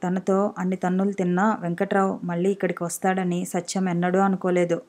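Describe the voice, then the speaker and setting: Brief: woman audiobook narrator, mellow warm tone, expressive scripted storytelling. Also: medium pitch.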